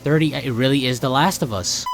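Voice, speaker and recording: A man's voice: medium pitch, a little fast, gravelly. A man giving casual, slangy reaction commentary as a video host, sounding incredulous and partly reading text aloud. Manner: slangy, incredulous, often addressing viewer as bro.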